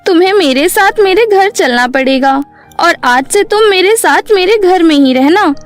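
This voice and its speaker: A woman voicing a poor, earnest young girl with a pleading manner in an animated moral story. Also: very high-pitched, normal speed, faint music behind. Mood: warm, insistent. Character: poor, earnest young girl selling toys, tearful and grateful.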